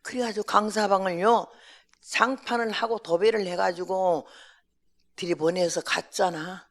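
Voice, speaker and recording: An older woman missionary giving a testimony sermon, telling her story in a lively way and acting out the dialogue. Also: medium pitch, measured pace.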